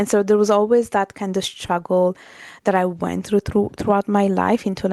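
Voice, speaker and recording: A woman with a strong Italian accent and monotone, flat intonation, dry and close with no echo, over a quiet background. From Italy (Sicily and Milan). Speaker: podcast guest, public speaking club member. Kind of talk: interview conversation. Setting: video call.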